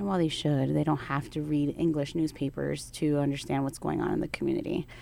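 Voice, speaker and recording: A woman talks at a very fast pace. She speaks with a New Jersey accent. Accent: New Jersey American. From Newark, New Jersey. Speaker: assistant publisher. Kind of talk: interview. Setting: radio studio.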